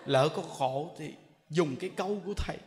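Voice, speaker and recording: A Buddhist monk, giving a jokey, lively storytelling sermon in which he acts out characters. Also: on the high side, brisk. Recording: echoey hall, faint ambience.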